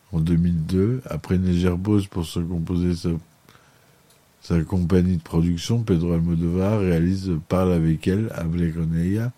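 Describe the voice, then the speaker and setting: A man with a deep, very dark and mellow voice reads a film chronicle for his podcast. He often stumbles over words and restarts them. The recording is dry and close. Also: no echo. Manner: reads aloud with frequent stumbles and self-corrections. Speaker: podcast host.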